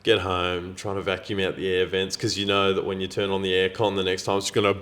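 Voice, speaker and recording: An Australian man co-hosting a podcast, telling anecdotes in casual chat with a blokey, slangy, animated manner. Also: sits low, a little fast. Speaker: podcast co-host.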